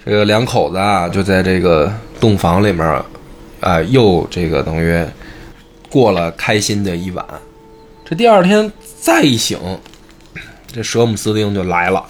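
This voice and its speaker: A man's voice: low voice, animated, measured pace, soft background music. A man telling a folk tale in a chatty, joking comic storytelling style.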